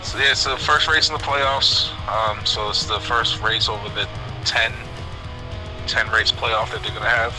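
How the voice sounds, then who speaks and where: A man giving a short racing update on a podcast in a relaxed, casual way. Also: fairly low pitch, normal speed, rough recording. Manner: laid-back, short sentences. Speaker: segment contributor. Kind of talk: casual sports chat. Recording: clear music behind.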